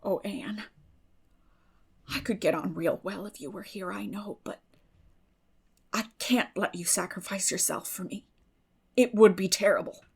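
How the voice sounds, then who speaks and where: A woman playing a plain-spoken, reserved but tender older guardian in an audiobook drama, halting, subdued and folksy. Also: mid-range voice, slightly rough. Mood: troubled. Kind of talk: dramatic audiobook reading of a classic novel.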